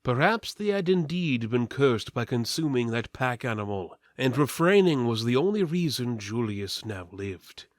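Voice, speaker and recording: A man's voice: medium pitch, no room sound, clean studio sound. A man giving a portentous, mock-serious dramatic reading of an epic fantasy story. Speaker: narrator, reader.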